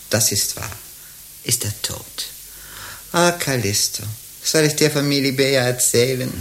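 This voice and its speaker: An actress playing a sly, earthy older Gypsy procuress queen in a radio drama, gravelly, teasing and theatrical. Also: very deep voice, slight background noise, heavily acted. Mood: passionate, wistful.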